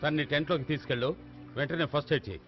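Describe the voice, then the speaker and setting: An actor dubbing a brisk male adventure-camp leader who gives orders impatiently. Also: fairly high pitch, natural voice. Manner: commanding, impatient. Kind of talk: Telugu film dub. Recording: dull film dub with music.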